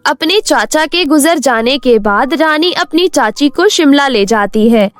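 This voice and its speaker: High-pitched woman storyteller. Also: expressive, a little slow, no echo. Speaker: story narrator. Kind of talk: scripted storybook narration.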